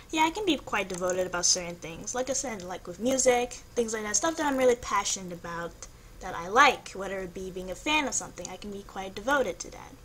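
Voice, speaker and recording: A woman's voice: on the high side, pushed and bright, low-quality recording. A young woman vlogger chatting casually, thinking aloud in a hesitant, noncommittal way as she works through a quiz. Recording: home recording with faint background noise.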